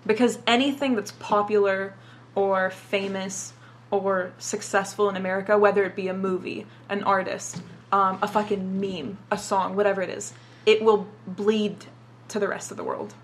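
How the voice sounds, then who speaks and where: A woman's voice: mid-range voice, fairly even intonation, moderate pace, slight background noise. Casual, swearing young woman. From Dubai. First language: Arabic. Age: young adult. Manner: casual, swears a lot, says "like" often. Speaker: interviewee. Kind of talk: casual interview.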